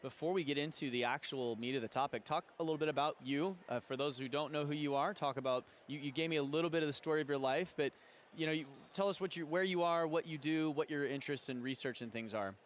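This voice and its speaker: A man co-hosting a podcast, telling stories in a lively, excited way from a busy convention exhibit hall. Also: fairly high pitch, fast, few pauses, a little hiss or hum. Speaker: podcast co-host. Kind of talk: casual interview chat.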